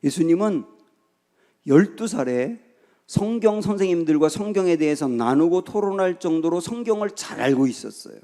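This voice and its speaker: A man's voice: fairly high pitch, animated, moderate pace, warm tone. A man preaching a sermon as pastor, telling the story vividly and acting out quoted lines with a raised voice. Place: church sanctuary. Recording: long church hall reverb.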